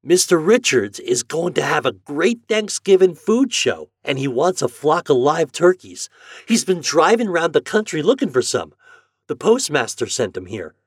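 A man's voice: on the high side, very animated, normal speed, breathy edge, dry recording, studio quality, pitched above the performer's own voice. A man voicing an eager, jolly farm boy in a storybook, speaking in rustic old-time country dialect. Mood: eager, boastful. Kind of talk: storybook character voice.

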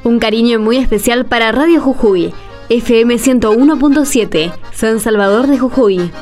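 Argentine woman co-presenter over soft music. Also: fairly high pitch, moderate pace. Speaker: co-presenter of a religious radio drama. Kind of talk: scripted radio drama dialogue. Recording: music bed behind the voice.

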